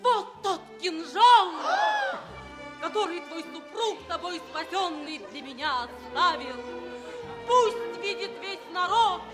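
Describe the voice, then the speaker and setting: An actress playing a proud, jealous, despairing enslaved princess, declaiming slowly and grandly in a theatrical 1960s radio production. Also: female voice, very high-pitched, expressive, music in the background, exaggerated voice. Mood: tragic resolve. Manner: slow, impassioned, grandly tragic. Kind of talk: theatrical declamation in a classic stage play.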